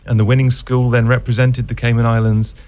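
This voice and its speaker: A man, a guest on a radio show, giving an update in a measured, formal way with some hesitations. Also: medium pitch, level tone, a little mellow. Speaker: chess federation official, guest. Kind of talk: radio interview. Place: radio studio.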